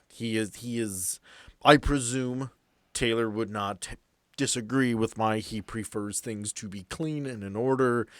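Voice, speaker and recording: A man's voice: lowish voice, fairly bright tone, dry recording. A man narrating a tabletop role-playing game as game master in a casual, profane way.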